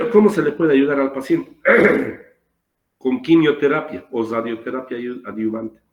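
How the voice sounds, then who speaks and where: A man giving an online surgery lecture with a sore throat, coughing and explaining slowly with pauses over a video call. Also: mid-range voice. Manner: slow, repetitive explaining with pauses. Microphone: computer mic on a video call. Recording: roomy video call audio.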